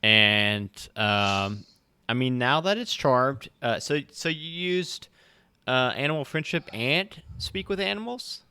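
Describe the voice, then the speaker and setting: A man's voice: mid-range voice, animated, takes it slowly, pushed and bright, clean tone, dry recording. A man running a tabletop game as game master, narrating casually and thinking aloud with some hesitation.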